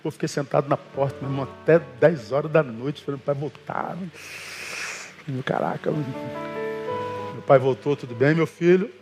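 A man's voice: mid-range voice, moderate pace, over music. A man preaching as a pastor, telling stories in a colloquial way and acting out the voices of the people in them. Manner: animated storytelling with quoted voices; colloquial, addresses listeners as brother. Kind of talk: sermon.

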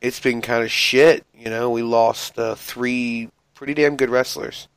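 A man's voice: mid-range voice, fairly even intonation, unhurried, smooth, dry recording, low-quality recording. A man hosting a casual wrestling podcast while sick and coughing, joking boastfully about his own greatness. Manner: boastful, joking self-praise. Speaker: podcast host.

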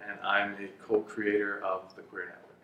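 A man's voice: lowish voice, completely flat delivery, moderate pace, echoey room, lo-fi sound. A man in his sixties, co-creator of the podcast, talking earnestly on a panel. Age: 60s. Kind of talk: casual panel discussion.

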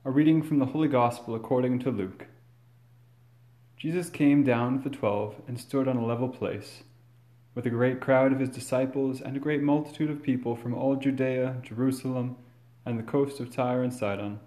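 In a big church full of cathedral echo, a priest reads from the Gospel and goes on to preach. His mid-range voice is warm with fairly even intonation, and his delivery is earnest and measured, broken by occasional fillers and restarts.

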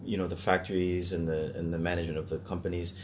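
Man, Canadian accent, low-pitched voice, casual discussion, hesitant phrasing, some background noise. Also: flat delivery, fast talker.

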